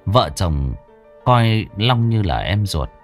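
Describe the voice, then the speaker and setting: A man's voice: on the low side, big pitch swings, takes it slowly, faint music behind. A man narrating a ghost story in a dramatic, suspenseful way.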